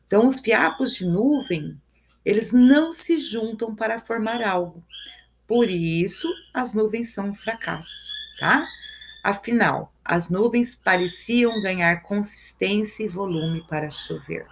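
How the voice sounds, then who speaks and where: A woman's voice: medium pitch, fairly bright tone, breathy edge. A woman with a Brazilian Portuguese accent teaching a live review lesson, explaining step by step and counting syllables aloud.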